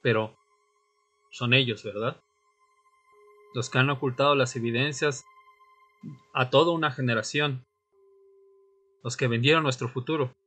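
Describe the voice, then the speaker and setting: Man playing brooding male vampire, crisp bright tone, deliberate radio-drama storytelling, faint music. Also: medium pitch, fairly even intonation. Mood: insistent, troubled. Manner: solemn, deliberate storytelling in short phrases. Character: brooding male vampire, former history student, seeking answers. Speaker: narrator and lead actor. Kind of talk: audio drama narration and dialogue. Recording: music bed under the voice.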